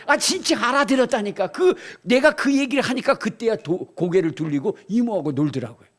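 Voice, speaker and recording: Husky, animated older male preacher. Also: high voice, normal speed. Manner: animated, swings from quiet storytelling to shouting. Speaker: pastor. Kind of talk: sermon.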